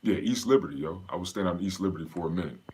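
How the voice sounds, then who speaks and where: A man's voice: low-pitched, very fast, a little mellow, slightly rough. A man from Pennsylvania, raised in North Carolina, casually hosting a live fitness Q&A and greeting viewers by name in a slangy, laid-back way. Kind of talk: casual livestream chat.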